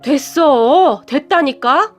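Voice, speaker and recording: Woman reading a tired, stubborn middle-aged mom in a storybook, high voice, soft music under it. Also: animated, very slow, exaggerated voice. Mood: pleading. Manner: sighing, pleading, stubborn. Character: weary, proud middle-aged mother, tearful.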